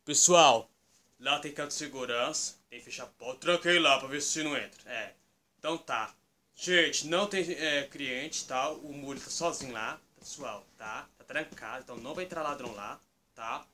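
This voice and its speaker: A man's voice: mid-range voice, moderate pace, pushed and bright, natural voice. A man with a Brazilian accent playing a talkative toy bull who hosts an improvised puppet skit, rambling and often appealing to the viewers. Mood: chatty. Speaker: host.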